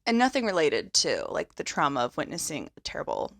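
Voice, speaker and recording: A woman's voice: low-pitched, huge pitch swings, brisk, gravelly, a bit bright, no echo, clean studio sound. A young woman co-hosting a podcast, talking casually in a rambling way full of fillers and wry asides. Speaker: podcast co-host. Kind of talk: casual chat.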